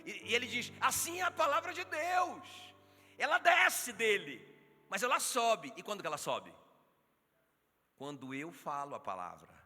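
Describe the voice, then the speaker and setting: A man with a Brazilian Portuguese accent preaching a sermon as a pastor, animated, acting out quotes and calling on the congregation. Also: high-pitched, unhurried, slightly rough. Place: church hall. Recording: reverberant church hall, faint music behind.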